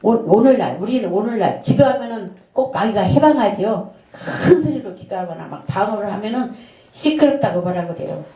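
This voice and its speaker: A woman's voice: fairly high pitch, warm tone. A middle-aged woman pastor delivering an earnest sermon, telling a story and asking rhetorical questions. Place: church sanctuary. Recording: echoey church room.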